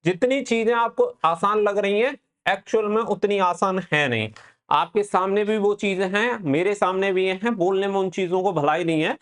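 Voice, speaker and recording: A man's voice: high voice, fairly bright tone. A man giving an informal, advisory exam update as a coaching host, mixing in English words.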